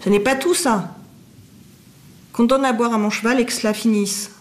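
Brief: a woman putting on a gruff traveling peddler, hard-voiced and angry, in a storybook reading. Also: fairly high pitch, brisk, voice pushed up, lightly acted.

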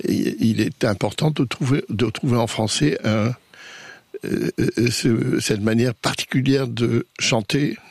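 A man's voice: mid-range voice, measured pace, creaky, darkish tone, husky, no echo. A man answering questions in a radio interview, thoughtful and hesitant, often restarting his sentences. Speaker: opera director.

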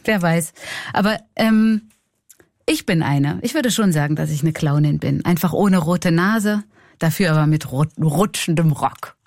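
A woman's voice: deep voice, a little slow, no room sound. Reflective Swiss German woman comedian. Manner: warm, reflective, laughs often. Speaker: comedian and clown. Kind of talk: reflective interview.

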